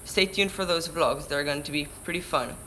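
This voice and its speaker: Here a teen boy from Israel, a surfer vlogger with a Hebrew accent, talks at a moderate pace in a fairly high, sharp voice. He's chatty on a live stream, answering viewer questions he reads aloud and restarting words mid-sentence. Slight background noise comes through his camera-mounted shotgun mic, set up indoors by a window.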